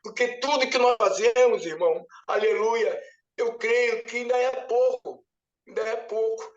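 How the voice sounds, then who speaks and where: A very high-pitched man tells a church testimony, his voice breaking into tears and pleading. He sounds far from the mic in an echoey hall, and the sound is muffled. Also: steady tone, moderate pace. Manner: weeping, pleading as he retells a vision. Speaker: pastor giving testimony. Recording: echoey room picked up from a distance, muffled.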